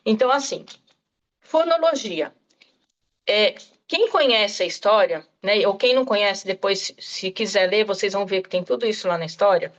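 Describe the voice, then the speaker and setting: A literacy specialist gives an online lecture to educators, addressing them directly and often adding "tá?" and "né?". Her mid-range voice has lively intonation and a normal pace, though the audio sounds dull.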